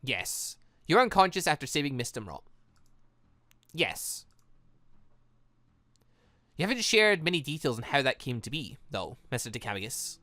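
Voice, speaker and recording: A calm, shrewd male headmaster played by a man, formal and deliberate, pitched lower and softer for a visual novel. Each phrase is measured and composed, in a dry recording. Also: no room sound. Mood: probing, formal. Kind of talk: visual novel character reading.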